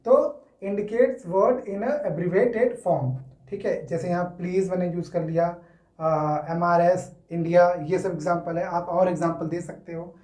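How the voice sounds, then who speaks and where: A man's voice: high-pitched, steady tone, unhurried, a little mellow. A man teaching English grammar in a casual, repetitive way, often stopping to check that listeners follow. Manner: repetitive, checks in with "theek hai". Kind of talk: casual Hindi-English classroom explanation. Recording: roomy echo.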